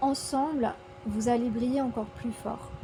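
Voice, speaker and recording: A woman speaking very slowly over noticeable background noise. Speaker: tarot reader. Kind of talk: psychic guidance reading. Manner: hesitant, many fillers.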